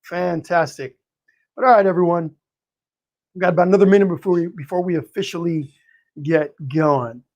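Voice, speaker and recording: A man hosting a live painting stream, greeting viewers by name in a friendly, chatty way, his voice a little hoarse and tired, clearing his throat now and then. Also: high voice, moderate pace, pauses often, a little mellow, dull audio. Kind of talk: live-stream chat and teaching.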